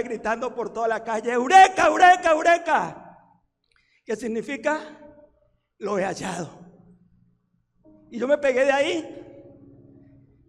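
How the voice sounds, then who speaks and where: An older man with a Colombian accent preaching a sermon as pastor, folksy and anecdotal, breaking into shouts at times. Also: extremely high pitch, long reverb tail. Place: church.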